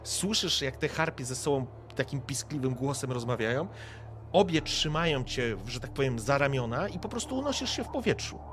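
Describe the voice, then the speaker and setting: A man's voice: mid-range voice, big pitch swings, normal speed, background noise. A man running a tabletop game as game master, describing scenes directly to the players with frequent hesitations.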